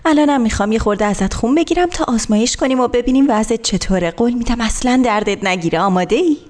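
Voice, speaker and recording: A woman voices a kind cartoon carer with a fairly high voice. She talks in a soothing, encouraging way. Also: a little mellow, natural voice. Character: kind female hospital carer.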